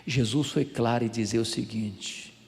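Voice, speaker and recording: A man's voice: mid-range voice, steady tone, unhurried, a little mellow. An older man with a Brazilian Portuguese accent preaching a sermon as a pastor, telling stories with dramatic swings. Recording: echoey hall reverb.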